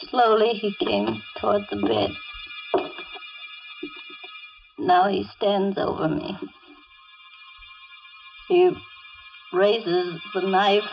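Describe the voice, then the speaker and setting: An actress playing a frightened young woman in a 1940s radio drama, with breathless, halting, melodramatic delivery. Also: on the high side, exaggerated voice. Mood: hushed dread. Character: terrified red-haired young woman recounting a night of horror. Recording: dull old radio recording with music.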